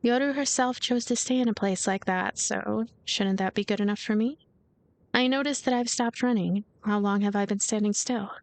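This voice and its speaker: A woman reading a game's story aloud as a let's play host, with expressive narration and casual asides. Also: a little high. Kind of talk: voiced narration with casual commentary.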